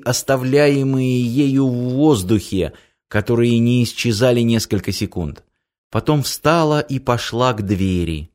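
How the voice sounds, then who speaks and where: Man, audiobook narrator, slow measured delivery, mid-pitched voice, long pauses. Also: a little mellow. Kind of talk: first-person story narration.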